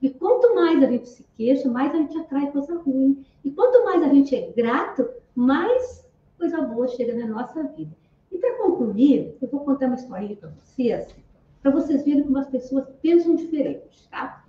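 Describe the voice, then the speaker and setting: A woman with a high voice delivers a Spiritist talk in an easy, conversational way, often closing her phrases with a questioning tag. She sounds distant from the mic in a roomy, echoey space, and the recording is somewhat dull. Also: lively intonation, moderate pace, slight background noise. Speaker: Spiritist speaker.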